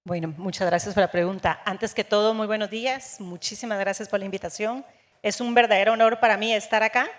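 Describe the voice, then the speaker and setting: A woman's voice: mid-range voice, steady tone, a little fast. A woman from Guatemala, an executive, answering as a panelist in a fluent, composed way. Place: conference stage. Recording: long hall reverb.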